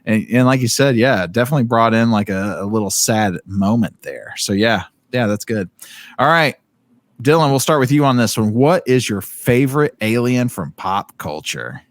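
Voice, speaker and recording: Lively laid-back man hosting a podcast, dry sound. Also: medium pitch, normal speed, no echo. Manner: laid-back, says "dude" and "bro". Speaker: podcast host. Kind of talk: casual book club chat.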